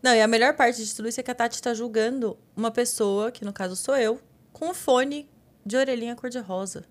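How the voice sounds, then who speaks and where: A woman's voice: fairly high pitch, fairly even intonation, fairly quick. A woman in a casual podcast chat, joking about herself in a playful way. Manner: self-mocking, playful.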